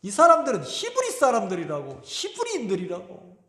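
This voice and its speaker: A man's voice: high voice, huge pitch swings, a little fast, fairly bright tone. A man preaching a Sunday sermon as pastor. He retells scripture in dramatic voices and asks his congregation questions. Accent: Korean, Gimhae area. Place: church sanctuary. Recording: roomy echo with long reverb.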